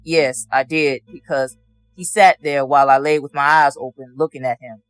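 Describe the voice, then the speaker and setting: A man's voice: fairly high pitch, fairly even intonation, brisk, a bit bright, clean tone, no echo, soft background music. A man giving courtroom testimony as a witness, answering in a plain, matter-of-fact way.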